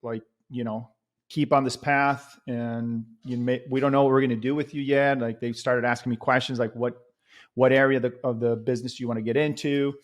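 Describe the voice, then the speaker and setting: A man in his forties from Venezuela tells his story at an easy, relaxed pace. He fills his talk with "um" and "dude" and keeps it casual. He speaks close into a boom mic in a studio, at an ordinary mid pitch. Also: a little fast. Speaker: podcast host and guest. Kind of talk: casual interview chat. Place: studio with a bright neon sign on a plain wall.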